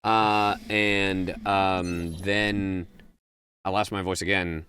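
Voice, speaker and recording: A young adult man, a voice actor talking in a casual interview, animated and full of quick restarts. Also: smooth. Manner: animated, frequent restarts, jumps into high-pitched exclamations. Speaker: voice actor guest.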